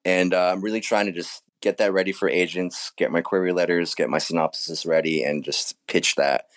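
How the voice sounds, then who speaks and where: A man's voice: low voice, fairly even intonation, brisk, no echo. A man speaking informally and modestly as an author being interviewed in a casual chat.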